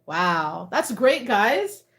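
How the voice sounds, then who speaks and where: A woman's voice: mid-range voice, very animated, drawn-out words, a bit bright. A woman, chatting casually with livestream viewers, reading out their comments and laughing often. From Canada. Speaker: livestream host.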